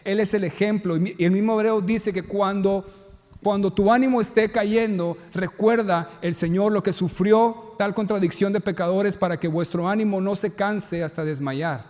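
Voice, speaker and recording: High-voiced male pastor preaching in a hall. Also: fairly even intonation, moderate pace, darkish tone. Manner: storytelling preacher acting out characters' lines. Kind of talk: sermon.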